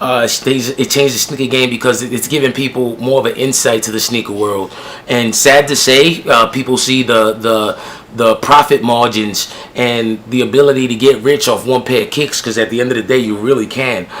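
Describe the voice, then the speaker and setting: Against noticeable background noise, a man with a New York accent talks at a fairly quick pace with fairly even intonation. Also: medium pitch for a man. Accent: heavy New York. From Florida, raised by a New York mother. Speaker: sneaker vlogger. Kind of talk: casual vlog talk. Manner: hesitant, many fillers.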